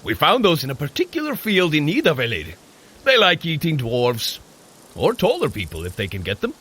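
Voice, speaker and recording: An actor playing a boisterous, jovial Norse warrior god who coaches a mortal runner in a scripted audio drama. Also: male voice, wildly swooping pitch, normal speed, bright, forceful tone, breathy edge, exaggerated voice. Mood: amused. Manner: jovial, theatrical, booming commands. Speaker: fitness trainer guiding a run.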